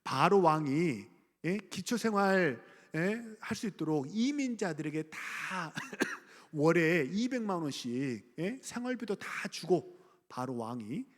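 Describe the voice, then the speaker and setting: A middle-aged pastor from Gwangju, South Korea, preaches a sermon conversationally, asking the congregation questions and chuckling. His fairly high voice is very animated but slow, with church hall reverb around it.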